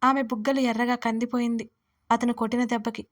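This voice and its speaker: A woman hosting and narrating a serialized audio story in a steady reading voice. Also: a little high, brisk.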